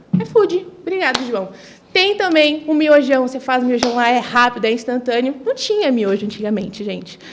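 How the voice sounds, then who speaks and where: A woman speaks in a high voice with very wide pitch swings against noticeable background noise. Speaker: spiritist youth speaker. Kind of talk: talk. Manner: fast.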